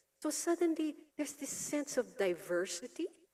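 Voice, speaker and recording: A woman's voice with very wide pitch swings. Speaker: keynote speaker, food historian. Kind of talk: lecture. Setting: lecture hall with audience. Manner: slow; animated.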